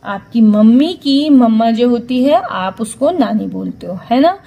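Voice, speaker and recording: A woman's voice: on the high side, expressive, unhurried, creaky, mellow, dull audio. A woman teaching a Hindi lesson to young children, patient, asking questions and answering them herself, mixing in English words. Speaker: primary school Hindi teacher.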